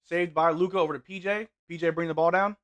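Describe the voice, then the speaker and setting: A young man doing live play-by-play and chat reading while watching a game, his voice getting hoarse, in a small room at a desk mic. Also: fairly high pitch, quick pace. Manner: play-by-play calls mixed with relaxed banter. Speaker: sports watch-along streamer. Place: small indoor room with gaming chair.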